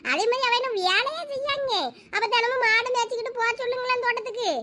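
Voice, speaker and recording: A woman playing a sharp-tongued village mother who nags and scolds. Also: very high voice, quick pace. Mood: scolding. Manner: scolding, nagging. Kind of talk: comedy skit acting.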